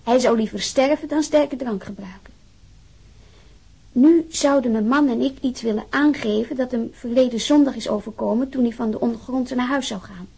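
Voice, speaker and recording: A concerned wife setting out a complaint in plain, earnest words. Her voice is fairly high, with a husky edge and a lot of creak. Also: moderate pace, dark tone. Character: worried, indignant wife writing on her sick husband's behalf. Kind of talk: dramatized reading of a complaint letter.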